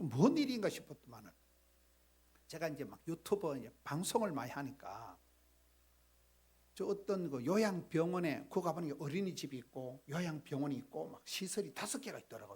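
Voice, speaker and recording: Speaking in a Gyeongsang accent, a man with a fairly high pitch has an animated tone, very wide pitch swings and big swings in loudness at a moderate pace, with long, frequent pauses. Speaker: pastor. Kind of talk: sermon.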